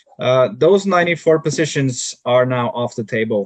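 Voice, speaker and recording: A man with a Norwegian accent speaks very slowly at a medium pitch, with ordinary pitch variation. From Norway. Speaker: robotics business development manager. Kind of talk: casual interview.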